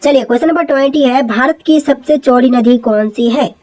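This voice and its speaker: A woman with a Hindi accent reading out quiz questions and answers, repeating each answer in a steady, explaining way. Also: high voice, brisk, rough recording. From India. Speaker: quiz presenter.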